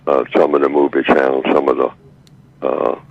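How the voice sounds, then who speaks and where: A man in his eighties speaking by phone as a radio guest over a clipped line, slow and measured with halting fillers. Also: very deep voice, little pitch movement, creaky, no room sound. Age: 80s. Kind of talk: radio call-in talk by phone. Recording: dull, dry phone line.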